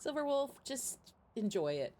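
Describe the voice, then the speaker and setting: A woman's voice: on the high side, very animated, normal speed, darkish tone. A woman game streamer giving casual live commentary over a video game.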